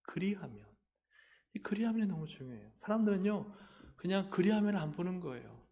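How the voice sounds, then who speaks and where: A male pastor with a Gyeongsang accent preaching a lively sermon, calling for amens and acting out little dialogues. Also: high-pitched, fairly quick, big-room sound. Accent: Gyeongsang Korean. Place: church sanctuary.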